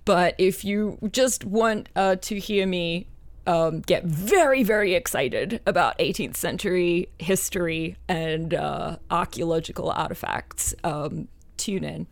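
A woman with an Australian accent, chatting as a podcast guest, excitable and quick to laugh. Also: on the low side, gravelly, no echo. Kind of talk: casual chat.

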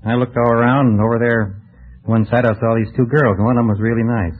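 A man's voice: mid-range voice, little pitch movement, fast talker. An American man, a contestant on a radio quiz, giving plain, casual answers about himself. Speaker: quiz show contestant, motor vehicle department clerk. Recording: muffled tinny old radio broadcast.

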